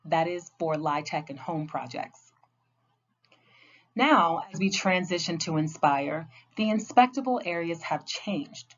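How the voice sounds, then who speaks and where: A woman giving a scripted training narration as a compliance trainer, speaking in a clear, measured, instructional way. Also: fairly low pitch. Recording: dull lo-fi audio.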